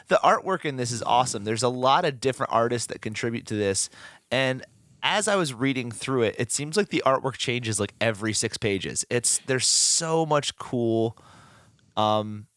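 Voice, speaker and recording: A man's voice: medium pitch, fairly bright tone, no room sound, studio quality. A man co-hosting a podcast, chatting casually and eagerly about comics, just over the flu. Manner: enthusiastic fan talk with fillers. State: recovering from the flu. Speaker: podcast co-host. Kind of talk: casual comic book discussion.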